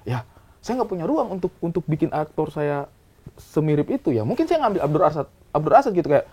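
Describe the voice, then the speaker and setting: A man talking as a film director, explaining his views with examples in a casual, animated way. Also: a little high, a little fast, husky. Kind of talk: casual discussion.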